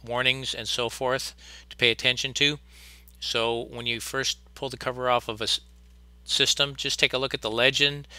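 Guy teaching hvac off a wiring diagram, lots of uhs and ums, super bright clean voice. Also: medium pitch, clear, resonant tone, no echo. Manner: plain, practical explaining with many fillers. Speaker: HVAC instructor. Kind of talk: online training lecture.

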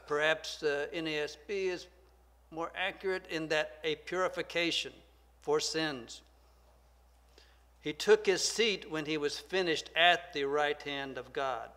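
Older Southern man, soft-spoken Bible teacher at a lectern mic, slightly high voice, church room reverb. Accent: Southern American. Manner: soft-spoken, measured and deliberate, reads scripture aloud. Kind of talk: Bible study lecture. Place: church classroom, at a wooden lectern. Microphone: lectern microphone.

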